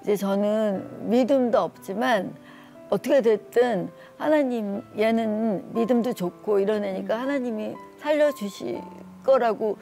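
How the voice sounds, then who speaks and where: Middle-aged woman guest, soft dark voice with some fry, telling a personal testimony with deep feeling. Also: unhurried, faint music behind. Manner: earnest, emotional, retells talk with her daughter. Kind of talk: tearful personal testimony on a talk show.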